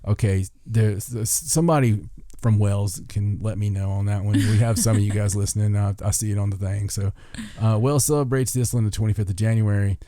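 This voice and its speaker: A man's voice: fairly low pitch, steady tone, a little fast, warm tone, dry recording, studio quality. A man hosting a podcast, reading from a list in a folksy way with joking asides and stumbles over foreign words. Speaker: podcast host. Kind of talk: reading listicle aloud with casual joking asides.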